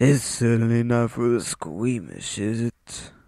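A man is speaking. His pace is fairly slow. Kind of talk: theatrical villain monologue. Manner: gleeful, sneering, showman-like.

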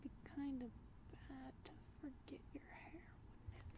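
Someone is whispering. The pace is fairly slow. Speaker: vlogger. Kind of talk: casual vlog chat. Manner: soft, close ASMR voice, faintly condescending. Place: home room. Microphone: webcam.

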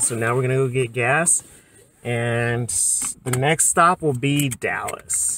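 Someone speaks at a fairly slow pace over light background noise. The sound is dry, with no echo. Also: man. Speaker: road trip vlogger. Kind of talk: casual vlog chat. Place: car. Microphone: phone near.

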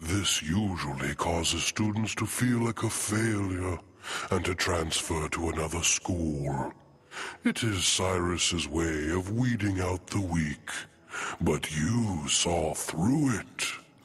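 A man puts on a character voice with a very deep, low pitch. His tone is warm, and his pace is fairly slow. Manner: wise, warm, knowing.

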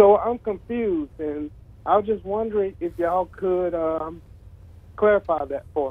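Delivered at a moderate pace, the speech has a dry sound with no echo. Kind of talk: call-in question. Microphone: phone line.

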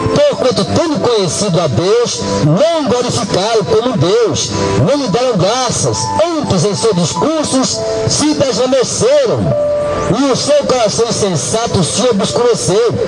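Loud music plays in the background. A man speaks over it at a fairly slow pace. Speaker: street preacher. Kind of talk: sermon. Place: street. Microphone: handheld.

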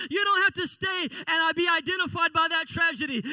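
A man speaks in a raised, projected voice with a bright, sharp tone. His pace is moderate, and the background is quiet. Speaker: pastor. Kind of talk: sermon, pentecostal-style Sunday preaching. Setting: church. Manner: rhythmic, repetitive preacher cadence building momentum; reassuring, exclamatory with interjected praise. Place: church. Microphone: handheld.

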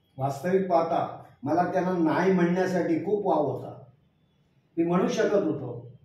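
A man's high-pitched voice with fairly even intonation and audible room echo. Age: 60s. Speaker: retired government officer, financial education promoter; interviewee. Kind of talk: interview testimony. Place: home room.

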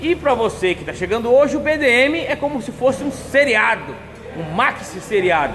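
A man keeps a moderate pace as noticeable noise lingers in the background. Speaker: mechanic shop owner host. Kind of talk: casual vlog chat. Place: workshop. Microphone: lapel.

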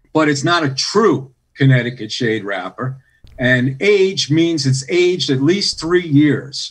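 With an American accent, a man speaks very slowly in a somewhat breathy voice at a fairly high pitch. His intonation is lively, set against a quiet background. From New York City. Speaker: interview guest. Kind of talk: interview. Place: home room. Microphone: webcam.

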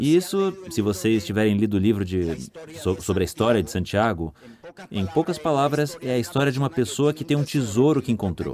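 The man speaks at a fairly quick pace. His pitch swings very widely. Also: medium pitch for a man. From Panama. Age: 50s. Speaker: business speaker, former army officer. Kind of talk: motivational testimony talk. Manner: halting.

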